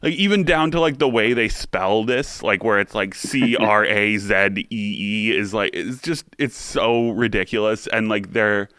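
A man's voice: lowish voice, a little slow, hardly any pauses, fairly bright tone, clear, resonant tone, no room sound. A man hosting a music show, chatting in a laid-back, rambling way with lots of fillers. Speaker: radio show host. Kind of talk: casual chat about songs.

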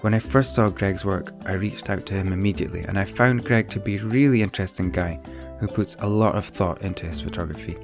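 A man's voice: sits low, brisk, creaky, music in the background. A man hosting a photography podcast, talking in a friendly, hesitant way with many fillers. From United Kingdom. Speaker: podcast host. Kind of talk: casual interview.

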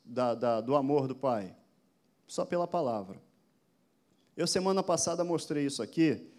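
A man's voice: mid-range voice, expressive, moderate pace, darkish tone. A man preaching a sermon as pastor, asking his listeners rhetorical questions and building emphasis. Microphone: addressing a camera for an online audience.

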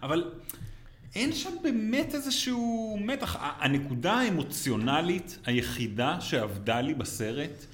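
A man co-hosting a casual film discussion, speaking haltingly with repeated starts. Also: fairly high pitch, very animated. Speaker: podcast co-host. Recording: roomy echo.

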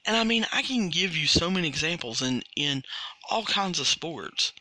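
A man's voice: a little high, lively intonation, normal speed, bright, forceful tone, no echo. A man hosting a coaching podcast, speaking in an earnest casual monologue, asking his listeners rhetorical questions and often repeating words as he restarts his sentences.

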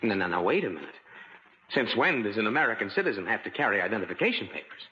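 An actor playing an eager, bewildered young scientist in a 1950s radio drama, stammering when flustered. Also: male voice, on the low side, sing-song, quick pace, pushed and bright, breathy edge, exaggerated voice. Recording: dull old radio recording with hiss.

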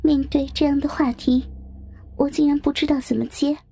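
A woman narrating a first-person story softly, with music behind. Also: high voice, level tone, normal speed, vocal fry.

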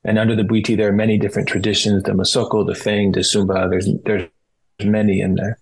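Gravelly, raspy man explaining things steadily. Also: lowish voice, little pitch movement, fast talker, low-quality recording. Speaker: podcast guest, retreat practitioner. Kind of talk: explanatory interview talk.

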